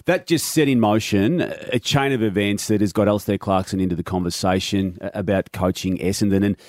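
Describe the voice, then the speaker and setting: An Australian man gives football news on the radio in a measured, explanatory way. His voice sits low and sounds dry and close to the mic. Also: a little mellow, no room sound. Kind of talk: sports radio news analysis.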